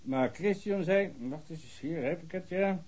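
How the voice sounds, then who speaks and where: An actor playing a long-winded, pedantic police officer in a radio drama. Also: male voice, on the high side, a little slow, a little mellow. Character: fussy male police officer reading a report.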